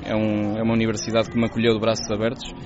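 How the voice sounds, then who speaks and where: A Portuguese man with a European Portuguese accent, a university teacher explaining his student band in a friendly way with short pauses. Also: fairly low pitch, completely flat delivery. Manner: friendly, explanatory, pausing with fillers. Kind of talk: interview answers. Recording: dull muffled audio with crowd noise.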